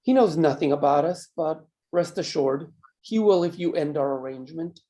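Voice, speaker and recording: A man acting a menacing mine boss in a drama table read, speaking in measured, condescending threats. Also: fairly high pitch, animated, dark tone, natural voice. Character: menacing, controlling male mine boss, coolly cruel.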